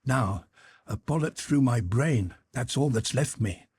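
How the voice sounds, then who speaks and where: A man's voice: medium pitch, animated, a little slow, darkish tone, breathy edge, heavily acted. A man reading the part of a young nobleman gambler, proud but desperate, questioning himself in anxious, pleading inner talk. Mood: forced casual.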